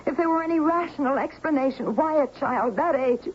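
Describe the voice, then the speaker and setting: A woman's voice: sits high, fairly quick, slight background noise, natural voice. An actress playing a wounded wife who confronts her husband in an old-time radio drama. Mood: hurt. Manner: hurt, pleading, accusing. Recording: dull lo-fi radio recording with loud music.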